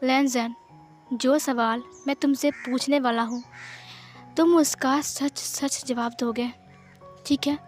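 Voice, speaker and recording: A woman's voice: high-pitched, steady tone, slow, long pauses, faint music behind. A woman voicing an angry young man who bitterly accuses his partner and family, in a sarcastic tone. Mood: cold, low.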